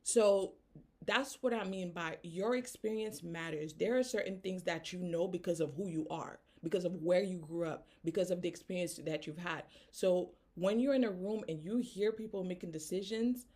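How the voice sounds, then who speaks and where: Woman coach, Haitian accent, lowish voice, earnest and direct, keeps checking in with "right?". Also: normal speed, darkish tone. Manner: earnest, tags statements with "right?". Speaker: business coach. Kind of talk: motivational talk to camera.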